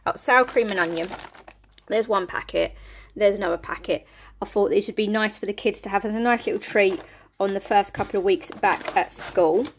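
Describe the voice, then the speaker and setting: A woman's voice: medium pitch, moderate pace, slight background noise. A middle-aged woman chatting casually through a family food haul in her kitchen, rambling and counting items aloud. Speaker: family vlogger. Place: home kitchen, indoors.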